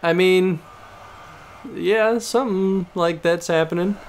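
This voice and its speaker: Man, fairly high pitch, relaxed chat format, game co-host, analytical, thinking out loud. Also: takes it slowly. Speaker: video game show co-host. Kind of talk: casual analytical game commentary.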